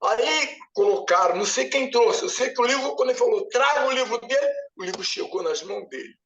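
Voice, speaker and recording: A man's voice: very high voice, lively intonation, brisk, fairly bright tone, slight background noise. A man, a pastor, giving an emotional testimony in church, weeping and pleading as he retells a vision. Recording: echoey room picked up from a distance, muffled.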